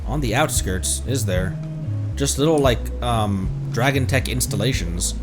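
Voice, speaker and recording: A man doing casual live game stream commentary, excitable, exclaiming and thinking out loud as he plays. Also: mid-range voice, a little slow, over music. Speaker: streamer, VTuber.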